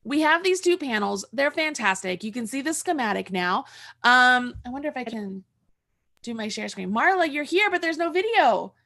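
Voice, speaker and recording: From a desk at home, a middle-aged woman runs a crochet tutorial livestream via video call, mixing casual chat with instruction. Her voice is high, animated, pushed and bright at a normal speed, and she rambles as she thinks aloud.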